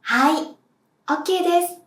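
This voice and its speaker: Woman teacher going slow and clear, high voice, kinda echoey room. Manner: clear, deliberate, demonstrates sounds for the viewer to repeat. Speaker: Japanese language teacher. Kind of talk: slow, clear pronunciation lesson.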